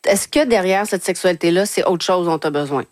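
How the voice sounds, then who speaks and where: Woman host, low dry voice. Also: no echo. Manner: brisk, moves the show along. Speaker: radio host. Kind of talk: radio talk show hosting, reading listener emails. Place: radio studio. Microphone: studio mic.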